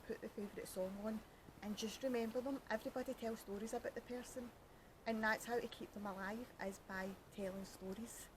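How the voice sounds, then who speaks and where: A woman's voice: a little high, background noise. A Scottish woman with a Glaswegian accent, hosting a podcast in a rambling, joking chat outdoors by a canal at night, cold. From Scotland. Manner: chatty, joking, self-mocking, rambling. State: cold, fingers freezing. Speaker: podcast host. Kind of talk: casual chat.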